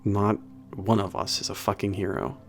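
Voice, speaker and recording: A man playing a big, burly, soft-hearted werewolf maintenance trainer in an ASMR roleplay, talking to the listener in a halting, casual, sweary and earnest way. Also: fairly low pitch, creaky, soft background music. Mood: frustrated, earnest. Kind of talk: ASMR roleplay audio drama, spoken to the listener.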